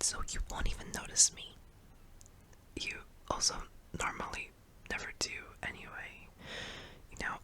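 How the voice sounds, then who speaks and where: A performer voicing a kindly, apologetic sleep paralysis demon in a soft, hesitant, breathy whisper for an ASMR roleplay. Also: close to an everyday voice. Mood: shy, hesitant.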